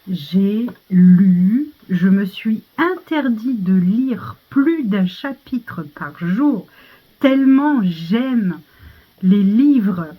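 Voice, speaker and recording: French woman vlogger, casual and rambling, slow delivery, phone-quality recording. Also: mid-range voice, slightly rough. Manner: chatty, many fillers and restarts. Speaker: vlogger reviewing monthly favourites. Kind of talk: casual chat. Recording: tinny phone-like sound.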